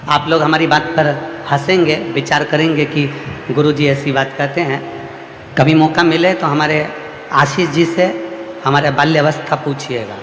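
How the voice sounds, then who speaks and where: Male preacher, high voice, rhythmic repetitive sermon, roomy hall with music behind. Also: fairly even intonation, normal speed, a bit bright, slight background noise. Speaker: religious storyteller. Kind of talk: devotional sermon. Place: large hall at a religious gathering.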